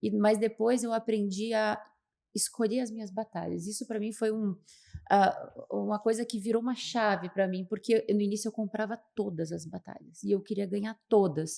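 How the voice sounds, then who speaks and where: A woman's fairly high, dark and mellow voice at a moderate pace, with fairly even intonation. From southern Brazil, Rio Grande do Sul. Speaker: marketing executive. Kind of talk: podcast interview conversation.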